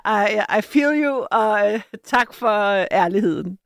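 A woman's voice: medium pitch, expressive, creaky, dry recording, clean studio sound. A woman hosting a late-night call-in radio show, chatty and a little hesitant, laughing easily with callers.

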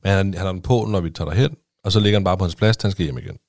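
Low-voiced man telling a story. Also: dry recording, studio quality. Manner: animated storytelling, swearing, acting out dialogue. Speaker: podcast co-host. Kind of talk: casual chat.

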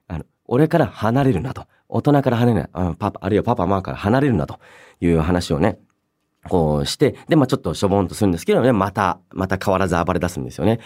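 Alone at the mic, a radio host reads out letters from listeners and chats in a low-leaning voice. He phrases things politely and conversationally, reacting emphatically at times and dropping into softer asides.

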